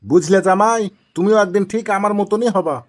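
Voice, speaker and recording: A man's voice: sits high, a little fast, lightly acted. A man with a Rajshahi Bangladeshi accent playing a wily, bantering village father-in-law in a comedy cartoon. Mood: indignant banter. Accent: Rajshahi Bangladeshi Bengali. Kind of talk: amateur cartoon comedy dialogue.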